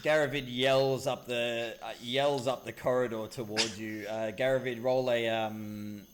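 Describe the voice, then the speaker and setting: A man narrates a tabletop session as game master, stopping often to fill gaps with ums. His pitch is middling, and a faint hiss sits under the recording. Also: steady tone, measured pace. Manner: hesitant, many ums and uhs.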